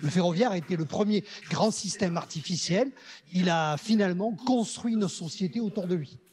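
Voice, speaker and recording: This man talks at a moderate pace with a high pitch and lively intonation. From southwest France, Arcachon basin. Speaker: railway company employee, seminar participant. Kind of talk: academic seminar discussion. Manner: hesitant, repeats words.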